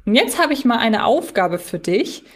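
Woman, podcast co-host, casual chat, fairly high voice. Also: very animated, moderate pace.

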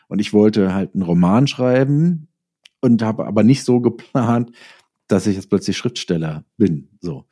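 A man's voice: fairly low pitch, warm tone. A man speaking as a guest in a casual interview, thinking aloud with repeated words and self-corrections.

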